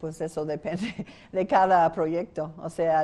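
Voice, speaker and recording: A woman's fairly low voice, dark and mellow in tone, with a non-native accent. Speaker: fundraising expert, lecturer. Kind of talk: lecture with Q&A. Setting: conference with audience. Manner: hesitant, many fillers.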